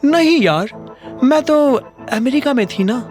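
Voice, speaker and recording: A woman's voice: sits high, lively intonation, unhurried, darkish tone, soft background music, pitched above the performer's own voice. A man voicing a snobbish young woman who used to bully classmates, sneering and mocking. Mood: dismissive.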